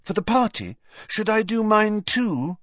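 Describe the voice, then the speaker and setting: A man's voice: high voice, big pitch swings, a little slow, fairly bright tone, no room sound, voice pushed up, full character voice. A man voicing a dreamy, odd teenage girl in an airy, sing-song way. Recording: dull dry recording.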